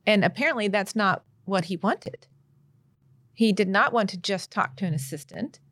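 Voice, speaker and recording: A woman hosts a podcast, answering in a supportive, reflective manner. Her voice is mid-pitched and sounds close and dry. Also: animated, moderate pace, a bit bright, no echo. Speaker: podcast host. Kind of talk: podcast conversation.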